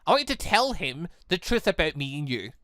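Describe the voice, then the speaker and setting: A gaming creator acts out a warrior woman's bitter hidden side from a visual novel. She taunts and accuses in a bright, swinging voice, recorded close and dry. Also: mid-range voice, big pitch swings, brisk, no room sound. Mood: bitter, accusing. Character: bitter, mocking alter ego of a young warrior woman.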